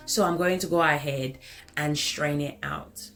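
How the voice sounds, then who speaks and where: A woman's voice: low-pitched, unhurried, a bit bright, faint music behind. A woman in her thirties with an African accent, giving an enthusiastic hair care tutorial voice-over and repeating phrases for emphasis.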